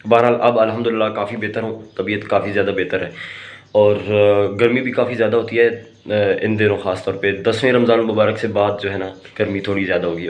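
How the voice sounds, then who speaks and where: A man, hoarse from a sore throat, chatting casually in a vlog, rambling with many fillers and restarts. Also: fairly low pitch. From Pakistan. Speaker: vlogger. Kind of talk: casual vlog talk to camera.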